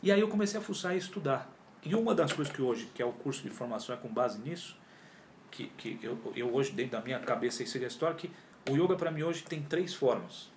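A man's voice: medium pitch, quick pace, slight background noise. A man, a yoga teacher telling his story in a casual, slangy interview. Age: 40s. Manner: animated and slangy, often says cara and pô. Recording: roomy echo.

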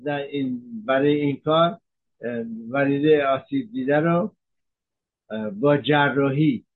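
Doctor, male, mid-pitched, steady explainer with pauses, narrow tinny audio. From Iran. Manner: measured, explains terms, frequent hesitations. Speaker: physician giving health talk. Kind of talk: explanatory medical talk.

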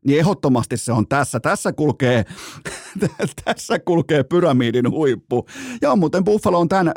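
A man's voice: medium pitch, a little mellow, no room sound. Guy doing a sports podcast, jokey rambling talk, swears a bit, dry close mic. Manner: joking, rambling, with frequent laughs and mild swearing. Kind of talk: casual sports commentary podcast.

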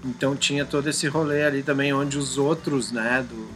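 A man's voice: medium pitch, fairly even intonation, normal speed, a bit bright. A man chatting casually and jokingly, telling little anecdotes. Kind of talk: casual chat. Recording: music playing under the voice.

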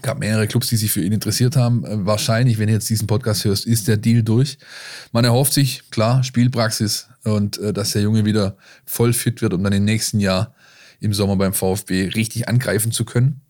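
A man's voice: fairly low pitch, fairly even intonation, a little fast, darkish tone. A man co-hosting a football podcast, explaining things in a casual, colloquial way. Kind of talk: casual football talk and analysis.

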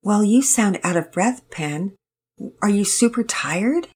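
A woman voicing a caring Christian mother who calmly counsels her daughter. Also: medium pitch, slow pace, breathy edge, voice pushed up. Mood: earnest. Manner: calm, earnest, counseling. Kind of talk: storybook reading.

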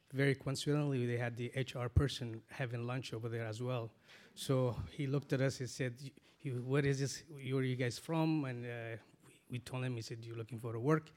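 Man, forties, earnest, halting, restarts, panel guest. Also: medium pitch, darkish tone. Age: 40s. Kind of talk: panel discussion.

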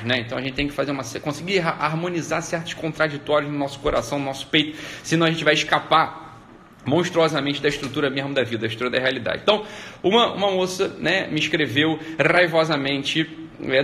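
A man hosting a casual live stream, rambling along and tagging "né?" onto his sentences, his voice getting animated as he retells exchanges. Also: a little high, slight background noise. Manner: rambling, repetitive "né?" tags, animated when retelling. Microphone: streaming mic.

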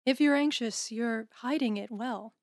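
A woman plays a caring female campus counsellor in an audio drama. Her voice sits a little high and is closely recorded without room sound. She speaks in a measured, gently probing way. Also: no room sound, studio quality. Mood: calm, probing. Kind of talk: audio drama acting, naturalistic dialogue.

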